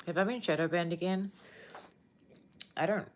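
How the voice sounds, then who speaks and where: A woman's voice: lowish voice, moderate pace. A young woman with a New Zealand accent chatting casually with viewers on a livestream, rambling and often searching for words.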